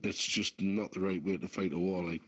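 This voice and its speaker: A man's voice: sits low, fairly even intonation, normal speed. A man giving blunt, emphatic opinions as a panellist on a casual talk show. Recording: dull, lo-fi audio.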